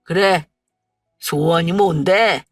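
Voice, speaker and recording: A woman voicing a hot-tempered older husband who is gruff but caring and barks blunt short lines. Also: fairly low pitch, slow, no echo. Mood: angry. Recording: dry, slightly distant, faint music.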